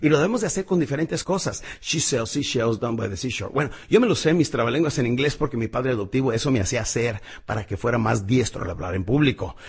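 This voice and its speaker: A middle-aged man with a slightly husky voice, teaching public speaking in an emphatic, motivational audio lesson. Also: fast, few pauses, darkish tone. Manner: emphatic, swings pitch and volume widely.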